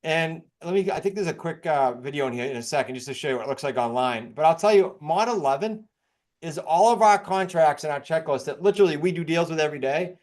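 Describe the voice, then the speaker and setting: A man from New England with an American accent, presenting case studies as an informal, fast-talking real estate coach. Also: a little high, lively intonation, a little mellow. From New England, United States. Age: middle-aged or older.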